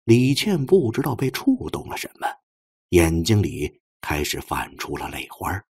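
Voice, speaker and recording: A man narrating a novel as an audiobook, in an expressive scripted storytelling style. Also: low voice, moderate pace, husky.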